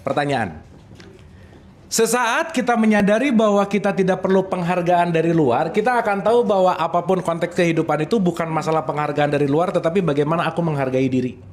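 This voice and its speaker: A man's voice: fairly high pitch, a little fast, slight background noise. A man, giving a casual religious study talk, playful and often asking his audience questions. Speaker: religious teacher.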